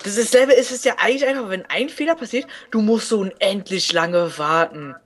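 A man's voice: high voice, a little fast, a bit bright. A man co-commenting a let's play, joking and rambling in casual gaming chat.

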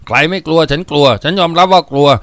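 A man reading as a cool-headed young son who speaks calmly and frankly. The voice is pitched somewhat higher than a plain reading voice and sounds dry and close. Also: fast, dry recording, natural voice. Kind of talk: audiobook character reading.

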